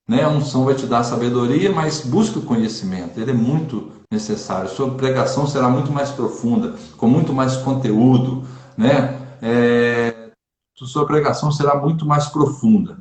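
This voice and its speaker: A Brazilian Catholic preacher speaking in a casual online chat, earnest and emphatic, repeating phrases for stress. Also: male voice, mid-range voice, normal speed, darkish tone, roomy sound.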